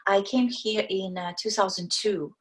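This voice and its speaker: Woman in her forties, from Kazakhstan, Russian native speaker, podcast guest, halting speech with fillers. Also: medium pitch. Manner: hesitant, many ums and restarts. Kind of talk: casual interview talk.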